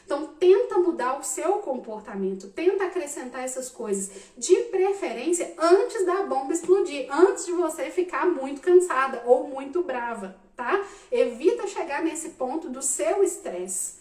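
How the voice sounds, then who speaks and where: A psychologist in her thirties answers parents' questions with lively, casual advice, speaking straight to her listeners and often checking in with "tá?". Her voice sits high and moves at a moderate pace. The mic is some distance away, giving a roomy echo.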